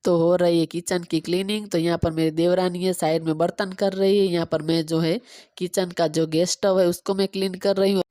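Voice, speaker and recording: Fast-talking woman, low flat voice. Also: no echo, studio quality. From Gujarat, India. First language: Gujarati. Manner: fast-talking, chatty step-by-step explaining. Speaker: vlogger. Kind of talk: casual cooking and cleaning vlog narration.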